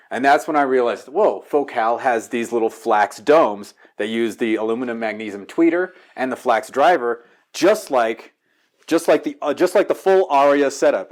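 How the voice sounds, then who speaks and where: A man with a medium-pitched voice gives a casual tour of his gear at home. He talks in a loose, rambling, slangy way, like an enthusiast telling stories. The setting is a living room. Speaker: home theater enthusiast giving a walkthrough. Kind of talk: casual gear walkthrough chat.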